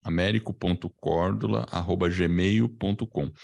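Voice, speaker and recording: Brazilian guy hosting an online class, lowish creaky voice, casual, lots of little tag questions. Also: steady tone, normal speed, a little mellow. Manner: informal, repeats tag questions. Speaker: host, podcasting teacher. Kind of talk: casual live online class chat and promotion.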